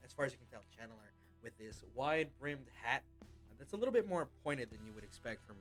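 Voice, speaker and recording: A man narrating a tabletop role-playing game as game master, describing scenes in a casual, halting way. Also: medium pitch, lively intonation, soft background music.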